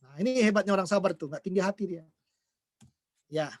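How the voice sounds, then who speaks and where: A man's voice: high-pitched, fairly quick, no room sound. A man preaching a sermon who keeps asking the congregation questions and then answers them himself. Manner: acts out everyday quarrels in quoted voices.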